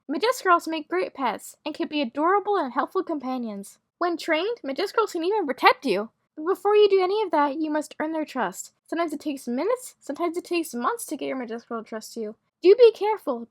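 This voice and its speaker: Woman voicing a very high-pitched timid female teacher. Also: no room sound, clean studio sound. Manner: hesitant, stammering, polite. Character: timid, kindly female creature studies teacher. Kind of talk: voiced animated school roleplay story.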